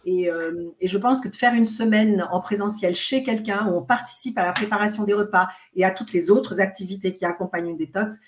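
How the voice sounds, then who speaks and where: A woman's voice: mid-range voice, brisk, hardly any pauses, a little hiss or hum. Woman with a light Swiss French accent. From France, of American parents. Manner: hesitant, restarts phrases, lively. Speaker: guest, detox retreat organizer. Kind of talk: casual video-call interview. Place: home room. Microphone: video call.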